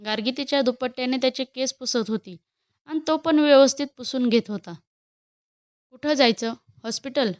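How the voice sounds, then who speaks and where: A woman narrating a romantic storybook in a steady, expressive reading voice. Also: fairly high pitch, smooth, dry recording.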